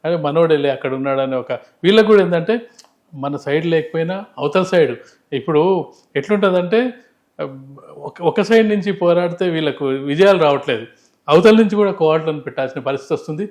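A quick-speaking man. He explains politics off the cuff as an analyst, stressing points by saying them again. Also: fairly high pitch, a little mellow. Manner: emphatic, explanatory, repeats phrases for emphasis. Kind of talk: unscripted political commentary in an interview.

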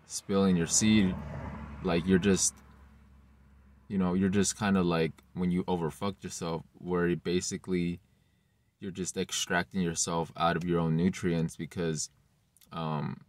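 A young man giving casual reaction commentary to camera, talking haltingly with lots of "like" and "you know", recorded inside a car. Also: low voice, no echo. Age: young adult. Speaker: vlogger.

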